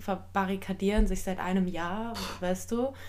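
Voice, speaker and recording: The speaker is a woman. Her intonation is monotone and flat. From Germany, Turkish family. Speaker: podcast co-host. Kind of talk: casual chat.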